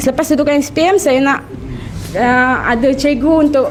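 A woman with a Malaysian accent talks at a high pitch with ordinary pitch variation. Noticeable background noise is present. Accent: Malaysian Malay with English code-switching. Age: 20s. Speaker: stateless resident seeking citizenship. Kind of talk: interview testimony. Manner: halting.

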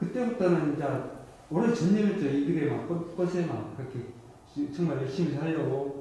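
With noticeable background noise and audible room echo, a man speaks at a fairly high pitch with lively intonation. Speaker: wildflower nursery owner and plant breeder. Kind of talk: informal talk to students. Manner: halting, many fillers.

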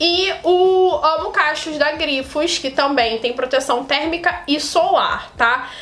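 With audible room echo, a woman speaks at a very slow pace in a high pitch, with ordinary pitch variation and hardly any pauses. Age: 30s. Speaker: hair care youtuber and hairdresser; hair care youtuber. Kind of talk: beauty tutorial. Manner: casual, chatty. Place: home room. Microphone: camera far.

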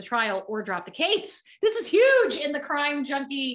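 The woman talks at a fairly slow pace, and the background is quiet. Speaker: podcast host. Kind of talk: casual interview chat. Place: studio.

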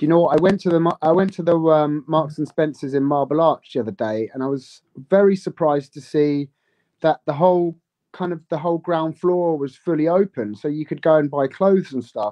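This man speaks with a southern English accent and a fairly high pitch. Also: ordinary pitch variation, fairly quick pace. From Surrey, England (Kingston upon Thames). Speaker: fashion stylist and life model. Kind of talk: casual chat. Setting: video call.

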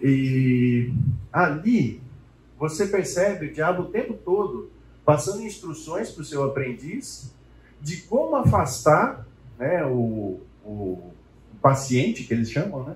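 Speaking at a very slow pace, a man leaves long, frequent pauses, his loudness swinging widely amid audible room echo. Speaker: church class teacher. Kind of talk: lecture. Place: classroom.

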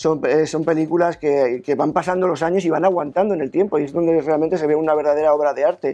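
In a Castilian accent, a man talks at a very fast pace with a fairly high pitch and fairly even intonation. His tone is dark and mellow, and the background is quiet. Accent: central Spanish (Castilian). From Spain, rural Toledo province. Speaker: animator. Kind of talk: interview.

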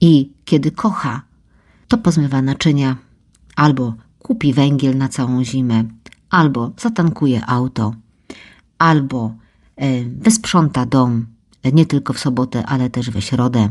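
A woman's very deep, low voice with lively intonation, at a fairly slow pace with long, frequent pauses. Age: 40s. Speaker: parenting and couples therapist, podcast host. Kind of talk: solo podcast monologue. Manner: conversational, direct address to listener.

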